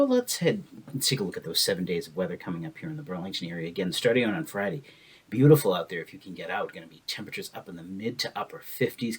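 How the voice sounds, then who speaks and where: A man giving a local TV weather forecast in a brisk, upbeat way. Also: low voice, husky.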